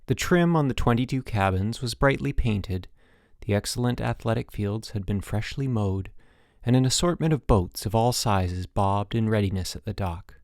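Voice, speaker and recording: A man narrating a story as an audiobook reader, in a measured read-aloud delivery. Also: fairly low pitch, a little mellow, no echo, clean studio sound.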